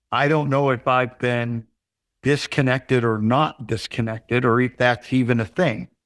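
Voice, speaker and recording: This man speaks in a normal speaking voice at medium pitch, with fairly even intonation and very even loudness at a fairly slow pace. The recording is very clean, with a silent background and a dry, close sound with no echo. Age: 60s. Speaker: recovery program client. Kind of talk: interview testimony.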